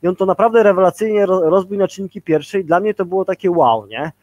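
A man in his forties speaks over a video call in a loose, rambling way, leaning on fillers and tag questions. His voice sits a little high, and the sound is very dry. It has a casual conversational feel. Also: fast, a little mellow, dry recording. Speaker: guest, leadership trainer.

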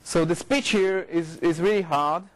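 A middle-aged man with an Israeli accent speaks in a notably high register for a male voice. He lectures informally, restarting phrases and correcting himself as he explains. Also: poor audio. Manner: informal, halting, frequent repetitions and self-corrections. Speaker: researcher giving a lecture. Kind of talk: academic talk with slides. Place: lecture room, indoors.

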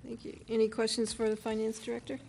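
A woman mayor chairing a council meeting, briskly moving through procedure. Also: a little high, monotone, creaky, warm tone, slight background noise. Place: city council chamber.

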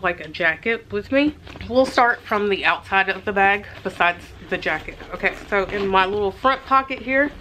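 A middle-aged woman talks straight to her camera in a relaxed vlog, chatty and upbeat with lots of little asides. Her voice is bright and forward, and a faint background hum sits under it. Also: medium pitch, poor audio. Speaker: vlogger. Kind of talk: casual chat to camera. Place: parked car, then a bedroom.

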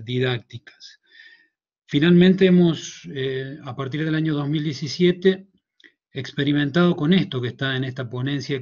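A man's voice: mid-range voice, highs cut off. A man in his fifties from Córdoba with a Cordobés Argentine accent, giving a conference talk as a university professor, thoughtful and hesitant, full of fillers and restarts. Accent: Cordobés Argentine Spanish. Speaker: university professor presenting a paper. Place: small room at home. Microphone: headset.

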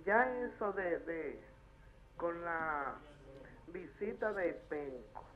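A woman with a Dominican accent phoning in to a show and recounting things in a casual, halting way. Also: fairly low pitch, lively intonation. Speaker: phone-in caller. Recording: muffled call into studio.

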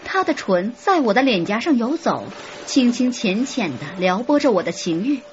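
A woman's voice: fairly high pitch, sing-song, normal speed, a little hiss or hum. A woman narrating a romance audiobook in first person, telling it expressively. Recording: slightly dull audio with soft music.

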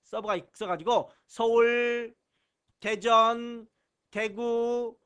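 A man's voice: very high-pitched, steady tone, extremely slow, fairly bright tone, clear, resonant tone. A man giving a recorded exam-prep lecture on computer basics, repeating key terms and slipping jokey asides and puns between explanations. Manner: repeats key terms, often starting lines with "자". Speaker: computer certification instructor.

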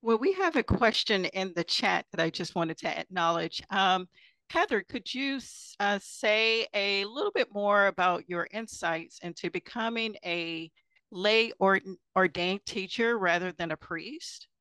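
A woman's voice: medium pitch, lively intonation, a little slow, bright, forceful tone, dry recording. Woman moderator, dry close sound. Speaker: event moderator. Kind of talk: reading announcements. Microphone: video call.

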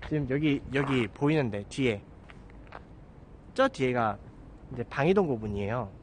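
This thirty-something streamer's mid-range voice is expressive and moderately paced, with a little hiss or hum in the audio. He's out on a residential street, phone held at arm's length, chatting to his livestream in a rambling way full of self-mocking asides.

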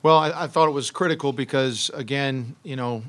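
A man's voice: mid-range voice, a bit bright. A middle-aged man, a head basketball coach, answering postgame press questions in a press room, speaking into a table mic with frequent restarts and ums. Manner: halting, many restarts and ums, thoughtful. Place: press room with logo backdrop, seated at table. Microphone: table mic on stand.

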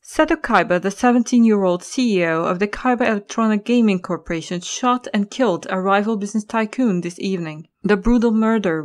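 A woman narrator reads a scripted story for an audio drama. Her voice sits in a middle register. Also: mid-range voice.

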